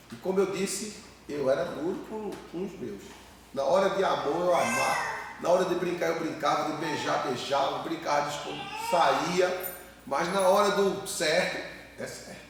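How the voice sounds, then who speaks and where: A man pastor preaching a sermon with emphatic repetition, calling the congregation brothers. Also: sits high. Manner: emphatic, repeats words, addresses congregation as brothers. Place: church. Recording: echoey hall, mic far off, faint noise.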